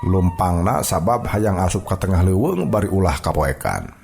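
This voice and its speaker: Storyteller, male, Sundanese accent, low register, narrating a folk tale with soft music underneath. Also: very animated, moderate pace, vocal fry. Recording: music bed behind the voice.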